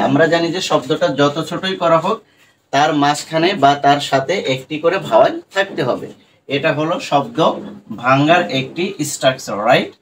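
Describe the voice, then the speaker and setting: A man teaching English pronunciation in an online lesson, patiently breaking long words into parts and repeating them slowly. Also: on the high side, a little hiss or hum, low-quality recording.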